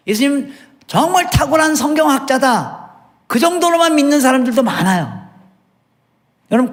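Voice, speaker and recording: A man with a very high voice preaches a sermon in a church. He is middle-aged and keeps asking his listeners questions. His delivery swings between full voice and near whispers. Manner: asks the congregation questions, shifts between loud and hushed speech. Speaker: missionary preacher. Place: church sanctuary.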